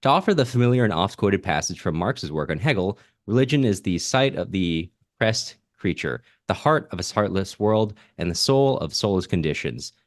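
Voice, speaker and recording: A man with a low-pitched voice speaks as a podcast host. He moves between reading comments aloud and offering measured, reflective commentary. The recording is close and dry. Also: sing-song, dry recording.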